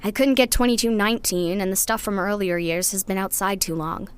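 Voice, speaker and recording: A woman's voice: mid-range voice, fairly even intonation, a little fast, smooth, close to an everyday voice. A woman playing a cocky, scrappy young resistance scavenger with a casual, flippant manner in a sci-fi audio drama. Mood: breezy, wry.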